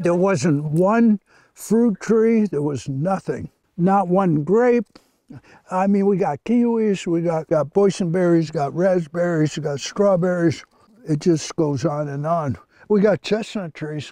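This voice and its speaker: A man with a high pitch and dark, mellow tone speaks at a very slow pace. The recording sounds dry and close with no echo. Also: ordinary pitch variation. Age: 90s. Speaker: off-grid farmer. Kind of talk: casual chat.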